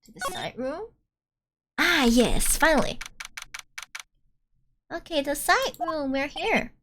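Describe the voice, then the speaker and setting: A woman's voice: high-pitched, expressive, slow pace, sharp tone, slight background noise. A woman giving casual, meandering let's-play commentary in a giggly manner. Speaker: gamer playing and voicing the dialogue. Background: game music.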